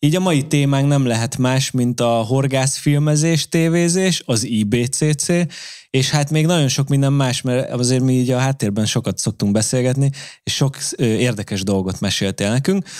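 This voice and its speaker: The speaker is male, with normal rises and falls in pitch. His tempo is moderate. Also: medium pitch for a man, quiet background. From Hungary. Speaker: podcast host. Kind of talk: casual chat. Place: studio. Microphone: studio mic.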